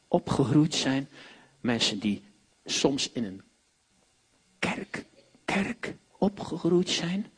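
A man preaching a sermon, swinging between hushed storytelling and loud commanding proclamations. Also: fairly high pitch, husky.

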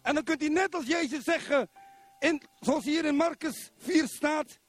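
Soft music plays behind a middle-aged Dutch man from Zwolle as he preaches in church, unhurried yet animated. His very high-pitched voice keeps posing questions to the congregation.

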